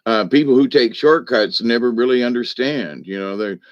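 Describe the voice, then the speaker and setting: Over lo-fi sound, a shaman hosting a livestream talks at normal speed in a medium-pitched voice. His spiritual talk rambles in a homespun way, dotted with frequent asides to the audience.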